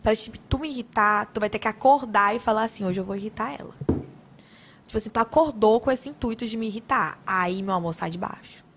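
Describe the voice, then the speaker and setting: A young woman from Acre in Brazil, a podcast guest telling stories in fast, animated casual chat. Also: medium pitch, slight background noise.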